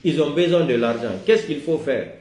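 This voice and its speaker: A West African man rants about politics in a fairly high voice, in a roomy, echoing space. He is vehement and accusatory, hammering his declarations by repetition and giving commands like an angry orator. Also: moderate pace, darkish tone. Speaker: political video commentator. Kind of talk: political rant to camera.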